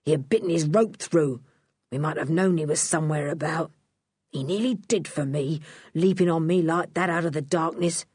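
A growling, grim crook of a man speaks low and hard, as a woman reader puts him on. The voice has a slightly husky edge and sits close and dry, with no room around it. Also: normal speed, a little mellow, dry recording. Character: gruff menacing male criminal.

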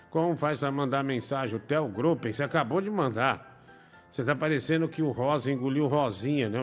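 A man hosting a live stream, joking crudely and reading out viewer donations and messages. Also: medium pitch. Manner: profane, jokey, reads messages aloud.

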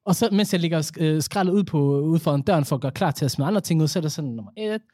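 A man's voice: on the high side, expressive, warm tone, no room sound, clean studio sound. A man chatting casually with a friend, telling stories and acting out what he says to himself. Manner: chatty storyteller, acts out his own inner talk, mixes in English. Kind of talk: casual chat.

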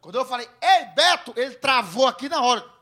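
A young stand-up comedian from Ceará, with a Northeastern Brazilian accent, talks fast in an extremely high-pitched voice. Performing for a live audience, he tells crude stories and brings the dialogue to life with animated acting.

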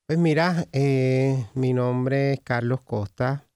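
A man's voice: medium pitch, slow pace, darkish tone, clean tone, no echo, clean studio sound. A Puerto Rican man in his forties, an addiction specialist speaking as a radio guest, professional but with many hesitant fillers. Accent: Puerto Rican Spanish. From Puerto Rico. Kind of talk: radio interview. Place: radio studio.

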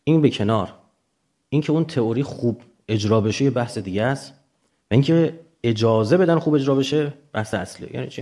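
A man's voice: mid-range voice, a little mellow. A man with an Iranian Persian accent lecturing informally and emphatically, explaining through examples and rhetorical questions.

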